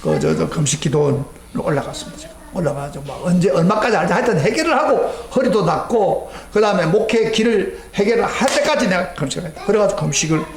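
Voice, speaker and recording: A middle-aged man preaching a sermon as pastor, telling stories emphatically and acting out his own prayers, his voice sweeping from near shouts down to low asides. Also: animated, quick pace, creaky, hardly any pauses, roomy sound. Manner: sweeping pitch, rising near a shout then dropping low. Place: church sanctuary.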